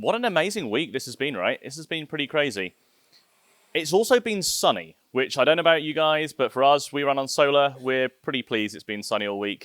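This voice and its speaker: A man with an English accent, very wide pitch swings, a moderate pace, and a dry, close sound with no echo. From England. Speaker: RV travel YouTuber giving talk. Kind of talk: presentation to audience. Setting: stage with live audience.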